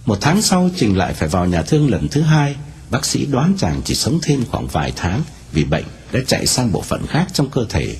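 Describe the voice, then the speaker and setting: A man narrating a novel aloud in an expressive storytelling manner. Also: normal speed. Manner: expressive storytelling with wide swings in pitch.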